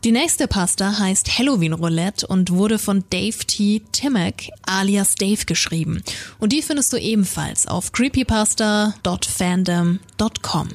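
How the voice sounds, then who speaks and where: A woman co-host reading a horror story aloud in a steady, plain reading manner. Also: medium pitch, unhurried. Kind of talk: scripted narration.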